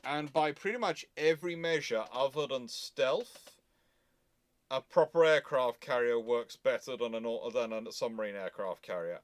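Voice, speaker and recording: A man hosting a casual live history discussion, explaining things in a deliberate, wry way. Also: mid-range voice, dry recording. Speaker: host.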